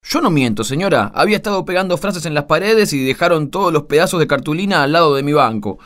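A man's voice: a little high, lively intonation, quick pace, fairly bright tone. A man with an Argentine accent acting a defensive, hesitant teenage school pupil in a radio drama. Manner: hesitant, self-justifying. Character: defensive male secondary school pupil, naive and apologetic.

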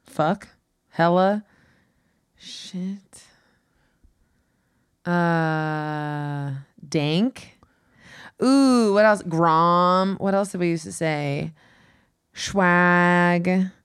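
A woman's voice: lowish voice, extremely slow, clean tone, dry recording, clean studio sound. A woman co-hosting a casual podcast chat, playfully guessing at slang words. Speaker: podcast co-host.

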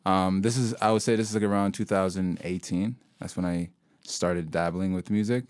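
Low-voiced young man, relaxed rambling talk. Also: moderate pace, clean tone, dry recording, clean studio sound. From Sudan. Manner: relaxed, rambling, lots of fillers and restarts. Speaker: local hip-hop artist, guest. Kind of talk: casual interview conversation.

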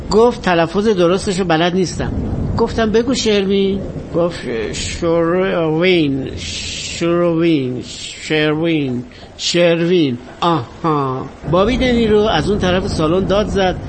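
A man's voice: high-pitched, a little hiss or hum. An actor playing a vain, half-mad former star who talks grandly and bitterly about his fame. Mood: mocking grandiose. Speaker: actor in a stage or film drama. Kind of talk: dramatic monologue acting.

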